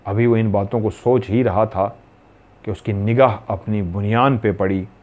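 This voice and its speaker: Guy from pakistan telling a creepy ghost story, slow and dramatic. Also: lowish voice, steady tone, darkish tone. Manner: dramatic, suspenseful. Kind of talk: horror story narration.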